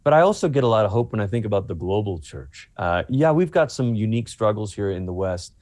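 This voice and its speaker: A man from Malaysia talks as a guest in a dry studio with a lowish voice. He is earnest and heartfelt, and he repeats himself while he builds a point. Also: very animated, fast, a little mellow, no room sound. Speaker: pastor and author, guest. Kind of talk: earnest interview talk.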